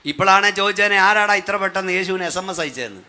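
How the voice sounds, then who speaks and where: Fervent preaching man, bright high voice. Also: expressive, very fast. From Kerala, India. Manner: fervent preaching, rising to shouts, urging clapping and praise. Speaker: pastor. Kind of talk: Malayalam Pentecostal sermon. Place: church gathering at night.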